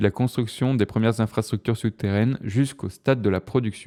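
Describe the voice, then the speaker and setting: Dark and mellow in tone, a man speaks with ordinary pitch variation on a very clean recording with a silent background, the sound dry and close with no echo. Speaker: streamer. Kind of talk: reading aloud with casual comments.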